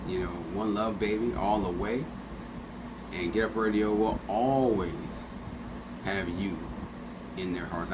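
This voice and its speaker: Low-voiced man hosting, noisy background hum. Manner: conversational, affectionate, often acting out remembered quotes. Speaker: radio host. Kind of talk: heartfelt spoken tribute to a late friend, casual radio talk.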